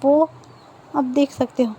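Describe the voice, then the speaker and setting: A woman's voice: high-pitched, fairly even intonation, takes it slowly, mellow, slight background noise. A woman voicing a shy, easily flustered young man who stammers bashfully.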